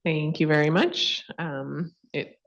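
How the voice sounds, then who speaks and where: Canadian woman council chair, very deep and gravelly, muffled from a distance. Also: slow pace. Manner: formal, procedural. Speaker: meeting chair. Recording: dull, distant council mic.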